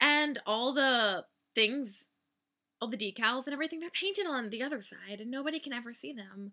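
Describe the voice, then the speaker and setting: A woman talks at a fairly quick pace in a raised, projected voice. Her pitch is high, her intonation lively and her tone bright and sharp. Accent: American. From New Jersey. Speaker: student vlogger. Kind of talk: casual vlog, dialect word list. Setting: bedroom. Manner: upward inflection.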